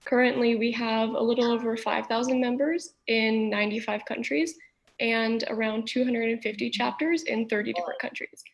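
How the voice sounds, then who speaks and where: A woman's voice: fairly high pitch, steady tone, moderate pace, creaky, low-quality recording. A young woman giving a friendly, informative overview of her organization over a video call. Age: young adult. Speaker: nonprofit chief executive.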